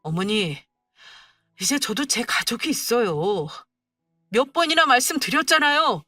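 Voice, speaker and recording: A woman's voice: on the high side, lively intonation, unhurried, bright, forceful tone, dry recording, studio quality, soft background music, full character voice. A woman voicing an overworked grown son confronting his mother, firm and exasperated, in a dramatized story reading.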